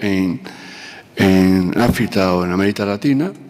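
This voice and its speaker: With noticeable noise behind it, the voice shows ordinary pitch variation. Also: man. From Andalusia, Spain (Marchena, Seville). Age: 60s. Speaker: agriculture association president, panel speaker. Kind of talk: conference panel talk.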